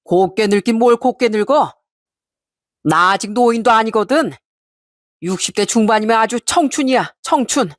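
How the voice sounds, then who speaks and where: A woman's voice: on the high side, normal speed, no echo, pitched above the performer's own voice, close to an everyday voice. Woman narrator doing an arrogant, sneering older uncle for an audio story, heard close and dry. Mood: defiant. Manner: sneering, scornful. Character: rude arrogant uncle in his sixties.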